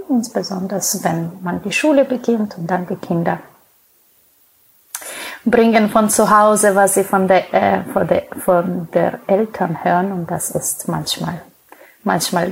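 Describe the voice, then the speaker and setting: A woman's voice: medium pitch, creaky, poor audio. A woman from Ukraine, speaking earnestly and with some hesitation in a conversational interview. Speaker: guest. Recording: faint background noise.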